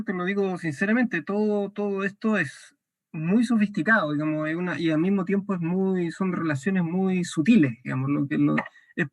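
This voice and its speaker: A man hosts the conversation in a notably high voice, thinking out loud with frequent fillers. His sound is dry and close, with no room echo. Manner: thoughtful, with frequent filler words. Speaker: interview host. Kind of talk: conversational interview.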